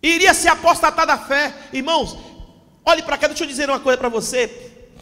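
With a handheld microphone in a church hall set before a stage backdrop, a pastor in his forties pours fervor into a Pentecostal sermon at a fairly quick pace. His very high, bright, forceful voice often breaks into shouting, and the room adds a long reverb.

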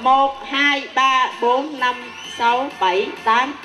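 A young woman with a high voice and a southern Vietnamese accent plays game show host. She jokes with contestants over an outdoor event's sound system, with loud music underneath. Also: steady tone, slow. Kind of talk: live game show hosting with playful banter. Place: outdoor evening banquet stage. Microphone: handheld microphone.

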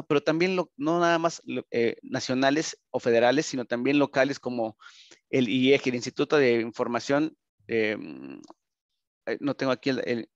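A man's voice: mid-range voice, dry recording. Mexican man presenting, dull call audio. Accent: Mexican Spanish. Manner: halting, frequent tag questions. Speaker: researcher presenting at a conference. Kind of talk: conference presentation. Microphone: video call, computer microphone.

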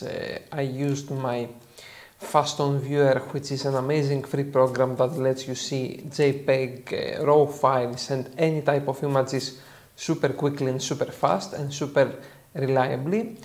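Young Greek-accented male tutor, earnest and methodical, talks through each step with short pauses. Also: medium pitch, fairly even intonation, a little mellow. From Greece. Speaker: photo editing tutor. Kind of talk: software tutorial narration. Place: dark studio indoors.

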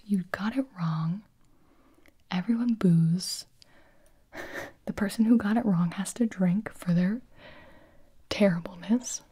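A young woman in her twenties whispering in a breathy voice, chatting playfully as she explains party games in an ASMR style. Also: on the low side, mellow. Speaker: ASMR creator.

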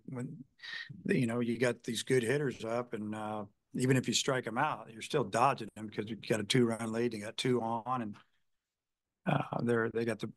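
A male head coach fields questions at a postgame press conference, wandering through his answers with constant fillers and self-corrections. His voice sits at a middle pitch and sounds dry and close, with no room echo. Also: fairly bright tone. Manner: rambling, heavy on "you know" fillers and restarts.

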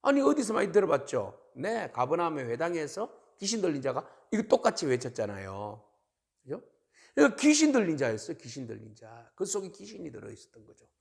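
Lively gravelly-voiced male preacher. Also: fairly high pitch, fairly quick. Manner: animated, emphatic storytelling. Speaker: pastor. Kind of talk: sermon.

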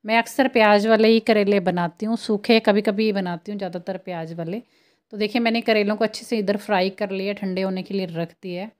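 A woman's voice: medium pitch, fairly even intonation, a little fast, a little mellow. A woman in her thirties, a home cooking vlogger, chatting to viewers as she explains each step. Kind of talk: casual cooking voice-over.

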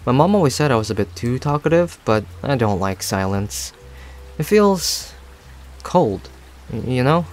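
Chatty, lively male barista, acted by a man. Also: medium pitch, a little slow. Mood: reflective, friendly. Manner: chatty, rambling, gently attentive. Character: friendly, talkative young male cafe owner and barista. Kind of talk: scripted roleplay audio addressed to the listener. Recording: soft music and rain behind. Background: music and rain sounds.

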